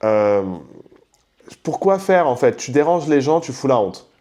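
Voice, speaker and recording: Young male host, loud casual rant, slangy, lively, mid pitch. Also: measured pace. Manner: animated and slangy, acts out quoted people; talks loudly. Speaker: podcast host. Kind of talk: casual ranting monologue.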